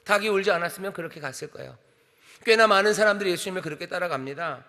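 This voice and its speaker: A man's voice: sits high, very fast, bright, forceful tone. Man preaching in an echoing church. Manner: earnest preaching with rhetorical questions. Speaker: senior pastor. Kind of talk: sermon. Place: church sanctuary.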